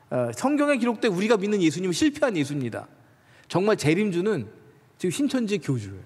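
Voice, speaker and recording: A man preaching a sermon at a church retreat, telling stories with animated acted-out dialogue. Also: high voice, husky. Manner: animated storytelling, acts out dialogues. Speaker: guest speaker at a church retreat. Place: church sanctuary. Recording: long church-hall reverb.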